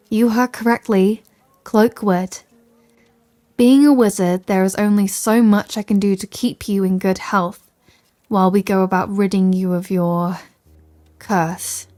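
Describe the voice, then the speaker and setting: A woman's voice: medium pitch, a little mellow, close to an everyday voice. A capable female wizard voiced by a woman in an ASMR fantasy roleplay. She has a mid-range voice and speaks directly to the listener in articulate, bookish phrases. Her manner is caring and reassuring, that of a learned shopkeeper. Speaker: audio roleplay performer.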